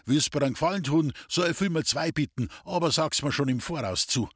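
A man voicing an earnest young male fisherman with a Bavarian accent, in a husky, pleading voice. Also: a little high, brisk, no echo, studio quality, pitched above the performer's own voice. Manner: earnest, pleading dialect speech.

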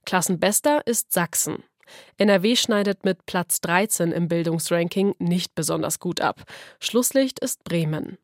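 A woman reporter from western Germany reading a scripted radio feature in an even way. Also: on the low side, a little slow, dry recording, clean studio sound. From North Rhine-Westphalia, Germany. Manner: even, read-aloud delivery.

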